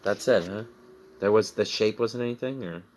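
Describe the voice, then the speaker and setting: A fairly low-pitched, slightly mellow male voice with a Midwestern American accent recaps resold items at a moderate pace. The online reseller is chatty and rambling, and he laughs at himself.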